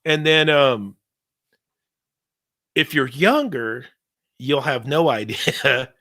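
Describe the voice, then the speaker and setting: A man in his fifties chatting casually as podcast host, excitable and rambling, often laughing. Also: mid-range voice, drawn-out words. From California. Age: 50s. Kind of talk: casual chat.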